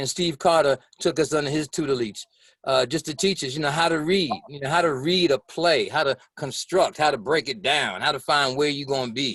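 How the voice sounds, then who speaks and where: Fairly high male voice with ordinary pitch variation and a dry, close sound with no echo. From Brooklyn, New York (Bedford-Stuyvesant). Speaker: stage actor. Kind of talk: casual interview chat.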